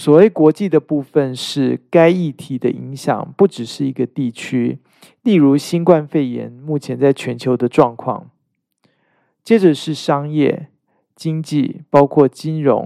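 Very slow delivery on a very clean recording with a silent background. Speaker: book podcast host. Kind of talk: solo podcast talk.

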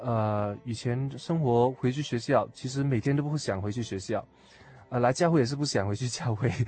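A man speaks with a Hong Kong accent. His voice sits at a medium pitch and is somewhat breathy. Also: ordinary pitch variation, moderate pace. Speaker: church member sharing life story. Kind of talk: interview testimony. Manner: hesitant, many fillers.

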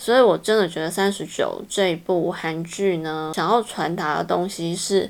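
A woman speaks in a plain, everyday voice at medium pitch with ordinary pitch variation. Her pace is fairly slow. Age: 30s. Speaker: podcast host. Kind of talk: personal reflective monologue.

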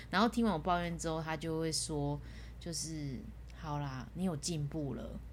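Soft-spoken, a woman talks at a fairly slow pace. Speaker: podcast co-host. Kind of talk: casual chat. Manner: soft, gentle tone.

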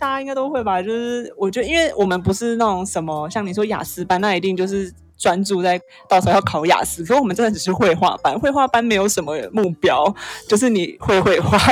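With music in the background, a woman talks at a fairly quick pace in a medium pitch. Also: lively intonation. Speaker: podcast co-host, makeup artist. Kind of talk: casual chat.

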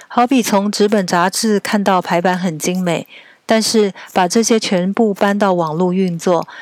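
A woman with a Taiwanese accent speaks at medium pitch and a fairly slow pace. Her intonation is fairly even and her loudness very even. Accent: Taiwanese Mandarin. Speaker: podcast host and travel lecturer. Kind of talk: scripted book review monologue.

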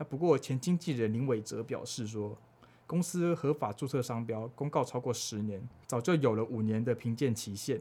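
With a Taiwanese accent, a man speaks at a moderate pace in a medium pitch, dark and mellow in tone with ordinary pitch variation, on a very clean recording with a silent background. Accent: Taiwanese Mandarin. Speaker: radio host. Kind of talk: casual chat.

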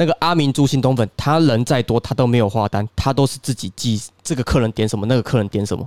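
A man with a Taiwanese accent at a very fast pace, hardly any pauses, ordinary pitch variation, and a dry, close sound with no echo. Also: medium pitch for a man. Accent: Taiwanese Mandarin. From Tainan, Taiwan. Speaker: podcast host. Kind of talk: casual chat.

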